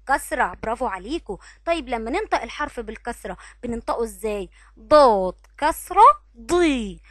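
A woman with an Egyptian Arabic accent teaches little children in a recorded lesson, using a high, lively voice. She draws out syllables in a sing-song way and praises often. The recording is dry and close, with no room sound. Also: no echo. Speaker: kindergarten teacher.

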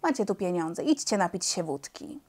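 A woman voicing a sly male soldier disguised as a porter, speaking in a smooth, coaxing way. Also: fairly low pitch, animated, normal speed, darkish tone.

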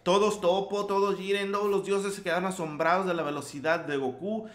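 A man with a Mexican accent giving an excited, slangy anime recap full of sound effects. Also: high-pitched, fairly quick. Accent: Mexican Spanish. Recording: roomy echo.

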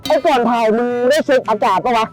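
A young man hosting a comedy vlog outdoors on a boat, shifting from polite presenter talk to loud cursing. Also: very high-pitched, quick pace, music in the background. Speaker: vlogger. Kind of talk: comedic vlog hosting, switching to profane banter.

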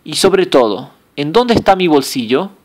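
A man's voice: a little high, sing-song, normal speed, darkish tone. A man voicing a bewildered, indignant handsome young man who pleads and exclaims his questions.

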